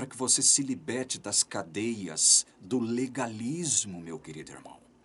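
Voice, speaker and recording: The speaker is a man. His intonation is lively. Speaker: online preacher. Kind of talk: sermon. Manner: emphatic, repetitive exhortation.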